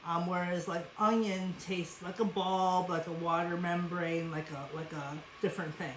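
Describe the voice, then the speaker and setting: Speaking at normal speed in a fairly low, steady tone, a Western Pennsylvania woman hosts a cooking demonstration that's casual, instructive and full of chatty asides. Background noise is clear in the echoey room.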